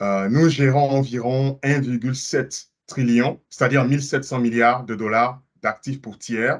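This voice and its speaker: A man at a very slow pace, with fairly even intonation and hardly any pauses, against a quiet background. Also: medium pitch for a man. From Ivory Coast, Abidjan. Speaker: finance executive, trainer. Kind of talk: webinar lecture. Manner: halting, many hesitations.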